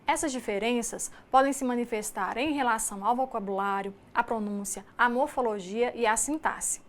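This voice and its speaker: Mineiro woman teacher, slightly high voice, calm explaining lecture, goes through lists one by one. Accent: Mineiro Brazilian Portuguese. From Minas Gerais, Brazil. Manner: measured, explanatory, reads lists item by item. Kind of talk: recorded distance-learning lecture.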